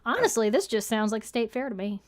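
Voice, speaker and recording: Woman cohosting a live stream, kinda high voice, slangy playful chat. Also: big pitch swings, a little fast. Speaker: show co-host. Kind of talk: casual banter on a live show.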